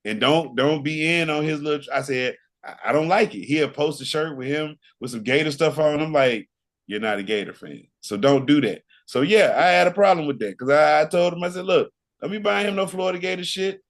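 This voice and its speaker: A man's voice: on the high side, brisk. A man co-hosting a podcast, trading playful trash talk in casual banter. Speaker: podcast co-host.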